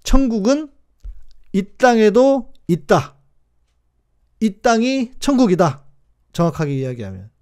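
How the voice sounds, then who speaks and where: A man's voice: high voice, big pitch swings, a little slow, long pauses, darkish tone, smooth. A man in his forties, a pastor hosting a live stream, teaches in a chatty, emphatic way, repeating key words and answering viewers' comments as he goes.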